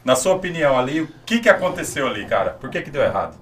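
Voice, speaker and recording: A man's voice: medium pitch, sing-song, fast talker, fairly bright tone. A man with a middle-range voice hosts a casual interview. He asks his guest questions loosely and informally. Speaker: host.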